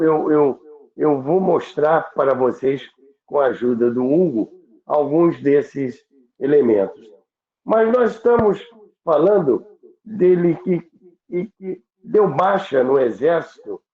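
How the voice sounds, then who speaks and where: A Brazilian man hosting a show, telling stories in a deliberate, emphatic, conversational way. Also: on the high side. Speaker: radio history show host. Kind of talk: conversational presenting and storytelling. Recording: echoey, band-limited muffled sound.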